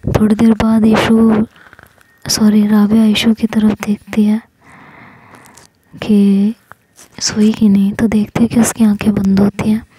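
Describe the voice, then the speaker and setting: A woman narrating a love story in a soft whisper, close to the mic. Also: medium pitch, completely flat delivery, slow, long pauses, slightly rough, poor audio.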